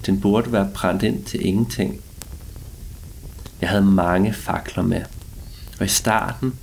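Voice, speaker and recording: Man voicing a brooding, low-voiced lost cave explorer. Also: gravelly, darkish tone, a little hiss or hum, low-quality recording. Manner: halting, reflective, musing. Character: lost male cave explorer, brooding, awestruck, long alone underground. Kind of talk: first-person eerie story narration.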